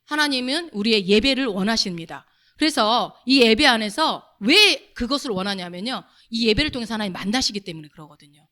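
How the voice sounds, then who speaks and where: A woman's voice: a little high, lively intonation, a little fast, sharp tone. A woman pastor preaching a sermon to her congregation, asking them questions as she goes. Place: church sanctuary.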